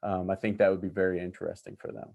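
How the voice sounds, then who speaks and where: Male class host, lower voice, halting and searching for his words, on a video call. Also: little pitch movement, vocal fry, a little mellow. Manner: hesitant, searching for words, with many ums and restarts. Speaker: university instructor hosting a class. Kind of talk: class interview.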